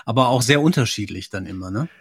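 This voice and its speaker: A man's voice: fairly low pitch, expressive, quick pace, creaky, husky. A man hosting a casual podcast discussion, inquisitive and prompting the others. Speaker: podcast host.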